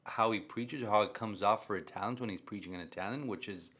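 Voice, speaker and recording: A man with a lowish, slightly bright voice speaks fast in a conversational religious talk. He's a Catholic priest who grew up with Spanish, and he repeats phrases to stress them.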